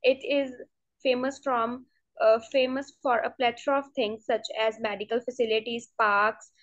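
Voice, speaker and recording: A woman's voice: on the high side, little pitch movement, moderate pace. A young woman whose first language is Punjabi answers a mock speaking exam over a video call, hesitant and full of fillers and restarts. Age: student. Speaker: test candidate. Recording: dull lo-fi video call audio.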